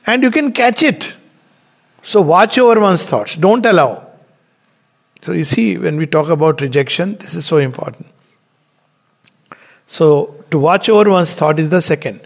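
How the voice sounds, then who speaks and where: A man's voice: high voice, creaky. A man giving a spiritual teaching talk, explaining his points step by step. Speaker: spiritual lecturer.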